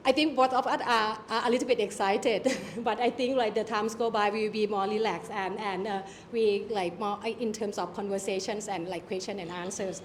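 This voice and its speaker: A woman's voice: mid-range voice, fairly even intonation, normal speed, hardly any pauses, a little hiss or hum. A woman moderating a live Q&A at an event, friendly and a little nervous, with lots of fillers. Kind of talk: hosting a public Q&A. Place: event venue.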